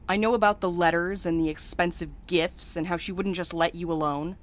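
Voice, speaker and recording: Blunt, low-voiced sardonic woman played by an actress. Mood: accusing, exasperated. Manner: sardonic, hard-edged and blunt. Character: blunt, sardonic, jaded queer woman courier. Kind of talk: naturalistic audio drama acting.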